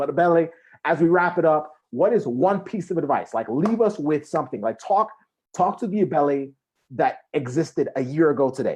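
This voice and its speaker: This man has an animated tone and lively intonation. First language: not English. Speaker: physical therapy admissions coach and host. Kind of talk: live stream interview. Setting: live online stream. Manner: animated, many repetitions and fillers.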